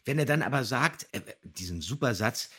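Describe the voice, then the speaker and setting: A man's voice: mid-range voice, animated, normal speed, a bit bright, husky. A man hosting a podcast, giving conversational commentary on audio dramas. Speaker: podcast host.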